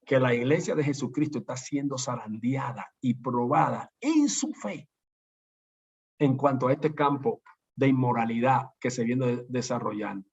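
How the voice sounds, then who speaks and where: A man preaching and teaching a congregation in an animated way, acting out the people he quotes. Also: mid-range voice, normal speed, creaky, breathy edge. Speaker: pastor. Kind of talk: preaching talk. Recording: dull lo-fi sound.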